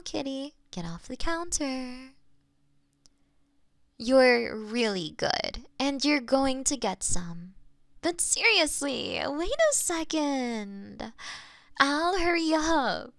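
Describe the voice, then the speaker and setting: High, lilting doting cat owner acted by a woman. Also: a bit bright, no echo, studio quality, exaggerated voice. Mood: gently scolding. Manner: cooing pet talk, giggly, affectionate. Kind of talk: roleplay audio, intimate one-sided scene. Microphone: close binaural microphone.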